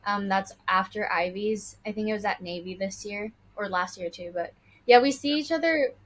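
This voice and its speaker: Young woman raised in Hong Kong and China, upbeat, chatty guest. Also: mid-range voice. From Hong Kong and mainland China. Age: young adult. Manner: upbeat, laughs lightly, quick asides. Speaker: guest, college swimmer. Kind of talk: casual interview.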